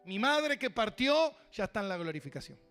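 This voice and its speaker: Man, pastor, Argentine accent, sermon, high voice, soft music behind. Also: big pitch swings, normal speed, smooth. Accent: Argentine Spanish. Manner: preaches with swings from loud to soft, personal stories.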